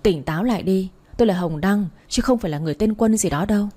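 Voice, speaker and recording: A woman's voice: mid-range voice, fast, dark tone, natural voice. A woman voicing a brusque, impatient young man who runs a bar, talking in a curt, scolding way. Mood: exasperated.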